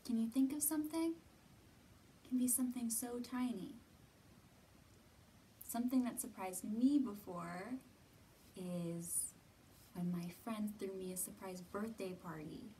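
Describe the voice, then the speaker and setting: A woman in her thirties gently guiding young children through a lesson, asking simple encouraging questions and pausing often. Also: mid-range voice. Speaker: children's storytime host. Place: indoor library room with bookshelves. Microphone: camera a few feet away. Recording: distant mic, roomy ambient noise.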